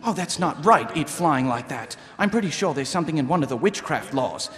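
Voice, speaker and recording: A man's voice: on the high side, expressive, fairly quick, fairly bright tone. A man playing a naive, earnest young watchman, stiffly literal, in a live radio comedy. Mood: indignant. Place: live on stage in a large hall. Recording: echoey hall, live stage performance.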